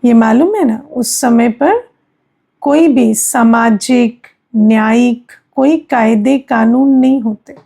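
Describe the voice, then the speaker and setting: A woman spiritual teacher giving an unhurried sermon-style reflection, explaining with everyday examples and often checking in with her listeners. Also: on the high side, dark tone.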